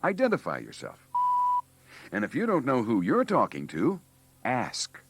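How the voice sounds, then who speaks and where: A man's voice: mid-range voice, wildly swooping pitch, measured pace, husky, no room sound. A man reading scripted narration for a 1980s training filmstrip, with a preachy, wry delivery.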